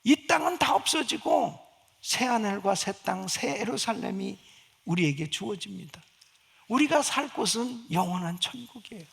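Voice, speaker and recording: A man's voice: sits high, expressive, normal speed, creaky, fairly bright tone, slightly rough. A male pastor preaching a fervent Sunday sermon, often asking the congregation rhetorical questions. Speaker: senior pastor.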